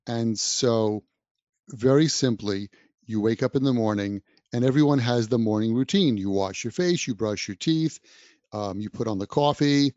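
Here a man who teaches English talks straight to the listener, encouraging them in a podcast. His mid-range voice is warm and moves at a normal speed. No room sound comes through; the audio is dull, dry and somewhat lo-fi.

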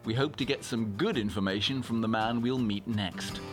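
A man with an English accent, narrating a hiking podcast in a measured, conversational way. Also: on the low side, music in the background. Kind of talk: documentary narration and travel diary.

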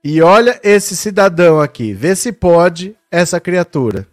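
Middle-aged male live-stream host, indignant, direct to viewers, higher-pitched voice, dry close sound. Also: lively intonation, a little slow, no echo, soft background music. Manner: indignant, talks straight to viewers. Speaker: live-stream political commentator. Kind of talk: casual live-stream commentary.

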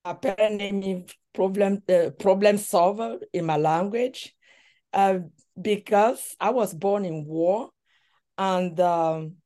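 A middle-aged relationship coach from Cameroon, whose first language is one of Cameroon's languages, tells her story as an interview guest. She speaks slowly and thoughtfully, with frequent pauses and fillers, in a medium-pitched voice with a darkish tone.

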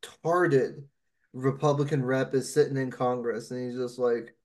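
A man chats on a casual podcast at a middling pitch. He rambles from one aside to the next, with swearing and frequent laughter. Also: steady tone, moderate pace. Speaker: podcast co-host.

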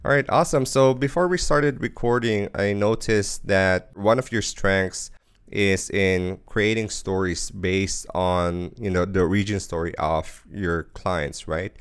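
Guy hosting a podcast, salesy and pumped, lowish smooth voice, dry close mic. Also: measured pace, no echo. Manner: upbeat, salesy, emphatic. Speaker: podcast host. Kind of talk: promotional podcast intro and interview.

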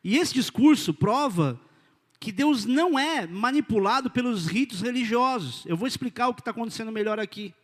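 A Brazilian pastor preaching in a church hall, his voice pitched high for a man. He talks to the congregation directly and informally, swinging from loud bursts to near-hushed asides, with a long reverb trailing behind him. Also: moderate pace. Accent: Brazilian Portuguese. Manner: informal, direct, addresses listeners as "cara" and "querido"; animated, swings between loud and quiet. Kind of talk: sermon.

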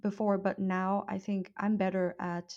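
A woman's voice: mid-range voice, little pitch movement, unhurried, darkish tone, dull audio. A woman with a Vietnamese accent, chatting with her co-host on a podcast and laughing easily. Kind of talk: casual chat.

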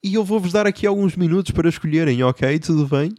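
A man voicing an overly cheerful, smooth-talking waiter in a sugary, slow radio-host manner. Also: on the high side, a little mellow, no room sound, studio quality, pitched above the performer's own voice, close to an everyday voice. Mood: chirpy.

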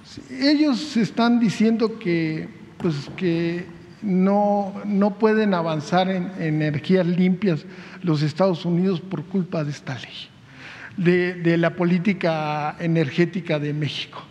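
A man's voice: sits high, measured pace, darkish tone. A man, a reporter politely asking a question at a press conference. He is hesitant and stumbles over fillers. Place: large press hall. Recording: dull, echoing hall sound.

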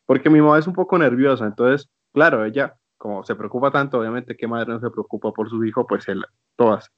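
A man's voice: medium pitch, fairly quick, no room sound. Male host, teasing banter, dry close sound, a bit muffled. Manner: joking, teasing. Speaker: podcast host. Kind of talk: casual chat.

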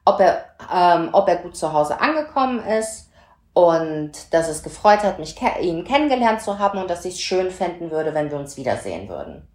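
A woman chatting casually on a podcast, telling a story in an animated way and acting out the dialogue. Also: lowish voice, normal speed, echoey room.

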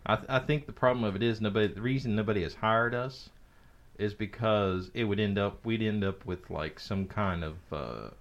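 A man's voice: on the low side, moderate pace, dull audio. A man co-hosting a podcast, chatting casually about tech news in a sarcastic, joking way. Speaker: podcast co-host.

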